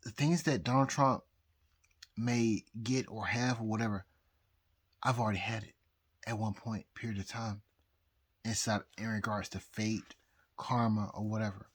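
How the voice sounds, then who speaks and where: A very drunk man rambling casually to viewers, halting and repeating himself as he loses his thread. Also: lowish voice, steady tone, breathy edge. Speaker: amateur astrologer vlogger.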